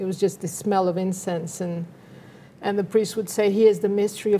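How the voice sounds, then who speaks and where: A woman's monotone, flat intonation over light background noise. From Brazil. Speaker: film director; guest. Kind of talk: interview. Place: studio.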